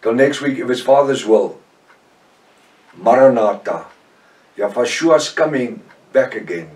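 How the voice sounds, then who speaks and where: A South African man with an Afrikaans accent preaching a teaching sermon, repeating key phrases insistently and letting his lines fall away quietly at the end. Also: mid-range voice, animated, measured pace, echoey room, recorded from a distance, low-quality recording.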